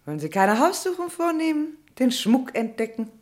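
An actress playing a cool, self-possessed neighbour under police questioning in a German crime radio play. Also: female voice, sits high, sing-song, moderate pace. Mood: challenging.

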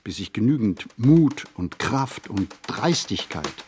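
An actor playing a reflective ageing writer in a literary radio play monologue, phrasing in a measured, deliberate way. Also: male voice, fairly low pitch, sing-song, darkish tone, slight background noise. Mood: wry, reflective. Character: reflective ageing male writer recalling a poor childhood.

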